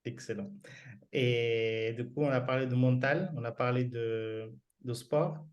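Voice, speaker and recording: A man's voice: mid-range voice, a little slow, dull audio. A fitness coach interviewing a client. He asks long, rambling questions and gives short words of encouragement. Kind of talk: casual interview.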